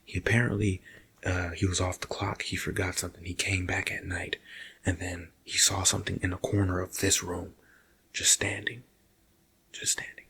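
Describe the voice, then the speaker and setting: A man playing a nervous night security guard in an ASMR roleplay, talking casually and haltingly to his partner and slipping into whispers. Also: low-pitched, level tone, vocal fry, sharp tone, slight background noise, exaggerated voice. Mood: uneasy, confiding.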